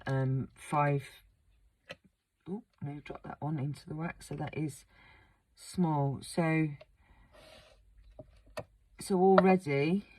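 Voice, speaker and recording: A woman with a croaky, slightly sore-throated voice talks through a wax seal craft demonstration in a relaxed, rambling way. Her pitch stays flat and level, and she fills pauses with frequent ums. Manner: relaxed, chatty, many ums. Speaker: craft channel host.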